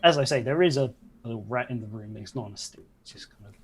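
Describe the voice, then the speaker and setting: A man's voice: mid-range voice, fast, slight background noise. A young man casually improvising narration as game master of a tabletop game, explaining things informally over a video call. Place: indoor room at home, on a video call.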